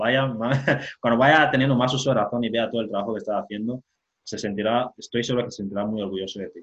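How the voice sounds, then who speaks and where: Speech from a man comes very fast. His medium-pitched voice keeps a fairly even intonation. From Equatorial Guinea, Bata. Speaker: podcast host. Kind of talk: interview conversation. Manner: hesitant, many fillers.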